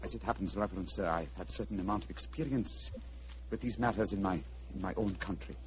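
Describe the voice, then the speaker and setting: A man playing Sherlock Holmes as a calm, probing detective, with courteous, insistent speech, in 1940s radio drama style heard on an old broadcast recording. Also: low-pitched, fast talker, a little hiss or hum. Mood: determined. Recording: dull lo-fi vintage radio broadcast.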